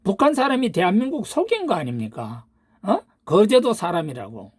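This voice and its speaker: Older woman host, political rant, husky and animated, throws out rhetorical questions and insults. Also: medium pitch, moderate pace, dry recording, studio quality. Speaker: channel host. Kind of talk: political monologue.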